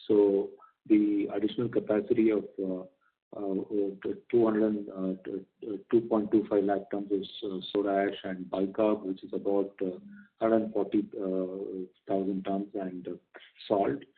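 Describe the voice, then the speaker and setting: A man with an Indian accent answering as a company executive on an earnings call, measured and guarded, often stammering and repeating words as he goes. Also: fairly low pitch, level tone. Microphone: phone or conference call line. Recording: narrow, tinny conference call line.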